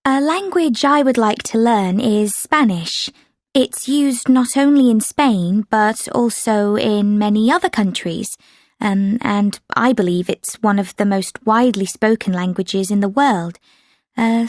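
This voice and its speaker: Woman, native French speaker, steady delivery with frequent fillers, dry studio. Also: medium pitch, dry recording. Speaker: sample answer speaker. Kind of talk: scripted exam answer recording.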